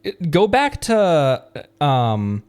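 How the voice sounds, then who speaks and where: A man streaming live reaction commentary in a halting, rambling, easily excited way. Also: fairly high pitch, clean tone. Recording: music playing behind the voice. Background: game trailer music.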